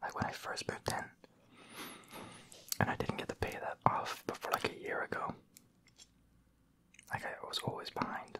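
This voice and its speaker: Soft-spoken and whispering, a man speaks with long, frequent pauses. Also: moderate pace. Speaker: streamer or vlogger. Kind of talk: casual vlog chat while eating. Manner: soft close-mic ASMR whisper. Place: home room. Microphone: studio mic.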